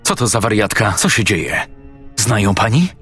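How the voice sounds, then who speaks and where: A brave, sharp-tongued little girl, read by a man who snaps out blunt, urgent questions. The voice stays fairly low and breathy, as a storyteller's reading of a horror tale over faint music. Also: big pitch swings, moderate pace, full character voice.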